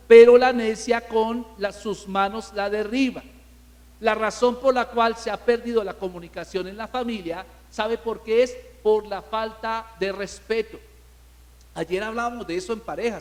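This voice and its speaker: A man with a notably high voice preaches to his congregation in a church hall. He is emphatic and keeps firing rhetorical questions at the listeners. His voice rings with a long hall reverb. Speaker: pastor. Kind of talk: sermon.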